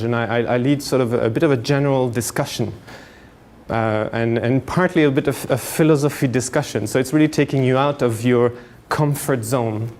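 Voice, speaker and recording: Male seminar lecturer, forties, raised in Canada. Halting, explanatory delivery at average pitch, over audible background noise. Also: darkish tone. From France, grew up in Canada. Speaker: university lecturer. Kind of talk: seminar lecture, informal introduction.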